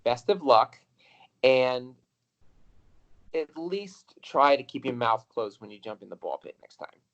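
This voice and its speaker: A lovesick middle-aged mother, wistful and blunt, played by a man in an improv scene. The voice sits in an ordinary middle register and stays low and offhand. The recording sounds slightly dull and lo-fi. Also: lively intonation, a little slow. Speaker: improv performer.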